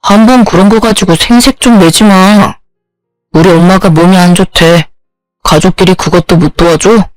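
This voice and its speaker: A man's voice: high-pitched, steady tone, moderate pace, no room sound, faint music behind, close to an everyday voice, poor audio. A man voicing a selfish young husband who brushes off his wife's complaints in an offhand tone, dry close recording. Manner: offhand, dismissive. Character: dismissive selfish young husband, mama's boy.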